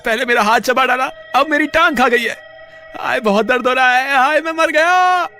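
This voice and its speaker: A man's voice: very high-pitched, moderate pace, bright, forceful tone, exaggerated voice. A man voicing a cowardly, whining man in a cartoon story, wailing in comic panic. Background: music.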